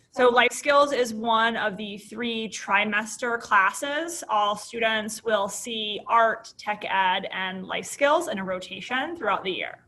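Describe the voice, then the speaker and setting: Woman, life arts teacher, bright tone, higher pitch. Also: poor audio. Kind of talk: virtual back-to-school overview.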